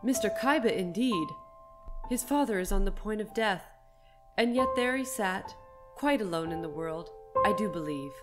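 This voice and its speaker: A woman's voice: mid-range voice, lively intonation, moderate pace, over music, natural voice. A woman playing a teasing, smug spouse in a fan audio drama of a Christmas tale.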